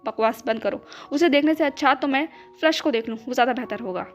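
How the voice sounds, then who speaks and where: A woman voicing a gentle, practical young woman who protests earnestly, in a storybook reading. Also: sits high, fast, natural voice. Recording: dull lo-fi with background music.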